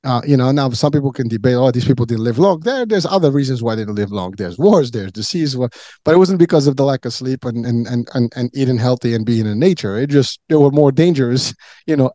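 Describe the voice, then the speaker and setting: A man's voice: mid-range voice, animated, fast, mellow, no room sound. A middle-aged man from Morocco chatting as a podcast guest, rambling with many fillers and restarts. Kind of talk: casual chat.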